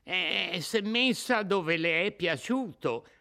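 A man's voice: high voice, animated, slow, creaky, pushed and bright, voice pushed up, full character voice. A man reading aloud voices a humble old woman servant, who talks in a servile, excusing way. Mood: fawning.

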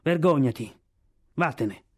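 A man's voice: on the high side, lively intonation, slow pace, full character voice. A man reading aloud, voicing a stern elephant-driver father who scolds his son. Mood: scolding. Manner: gruff, scolding.

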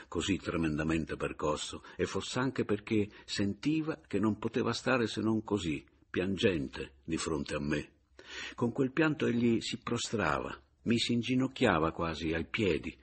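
A man narrating a classic novel as an audiobook, with a low, husky voice. He reads in a measured, reflective way. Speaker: audiobook reader.

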